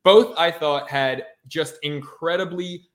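Brash man with a slightly high voice. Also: takes it slowly. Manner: brash, slangy, profane. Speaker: sports podcast co-host. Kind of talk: casual sports chat.

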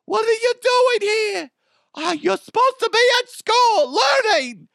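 A man voicing a doting, nagging mother in a strained falsetto, with a fussy, whiny manner, comedy-album style. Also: expressive, a little slow, creaky, fairly bright tone, dry recording, clean studio sound, full character voice.

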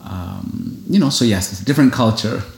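A Ugandan single foster father answers questions in a casual interview, earnest and reflective and full of "you know" fillers. His mid-range voice is brisk and creaky with lively intonation, and the room echoes.

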